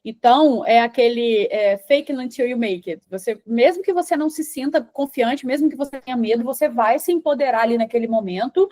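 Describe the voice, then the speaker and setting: A woman's voice: on the high side, a little fast, hardly any pauses, dark tone. A Brazilian woman with a Brazilian Portuguese accent, an English teacher and engineer, answering interview questions in a confident, teacherly way that builds points as lists.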